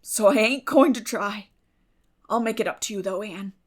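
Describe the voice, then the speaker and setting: A woman playing a plain-spoken, reserved but tender older guardian in an audiobook drama, halting, subdued and folksy. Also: mid-range voice, lightly acted. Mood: moved, yielding. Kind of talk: dramatic audiobook reading of a classic novel.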